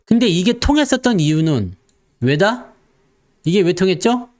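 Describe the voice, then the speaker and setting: Playful high-voiced man talking markets. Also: sing-song, normal speed, darkish tone. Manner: playful, acts out investors' voices, jokes with viewers. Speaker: stock market commentator. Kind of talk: casual market commentary.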